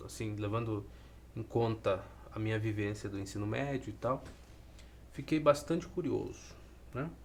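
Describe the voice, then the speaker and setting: The man talks at a moderate pace. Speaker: physics tutor. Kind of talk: tutorial. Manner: soft-spoken; sarcastic.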